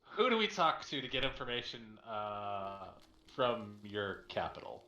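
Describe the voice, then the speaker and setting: A man with a fairly low voice chats quickly and casually as a tabletop game player over a computer mic. The room sounds echoey, with faint keyboard typing behind him. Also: sing-song, pushed and bright, muffled recording, a little hiss or hum. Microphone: computer mic on a voice call.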